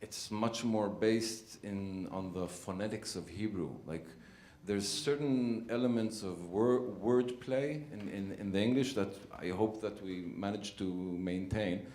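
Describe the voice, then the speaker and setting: Halting man in a roomy theater. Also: fairly low pitch, a little mellow. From Israel. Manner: halting, searching for words with many fillers. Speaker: playwright. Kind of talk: post-show talkback answers. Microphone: handheld microphone.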